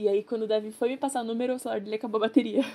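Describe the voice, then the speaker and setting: A fairly high-pitched woman's voice, dark and mellow in tone, with fairly even intonation. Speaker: podcast co-host. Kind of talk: casual chat.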